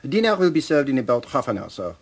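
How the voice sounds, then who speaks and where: An actor playing a polite, deferential railway attendant with a husky voice in a radio drama. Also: male voice, medium pitch, big pitch swings, fast talker. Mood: polite, apologetic. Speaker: train dining steward.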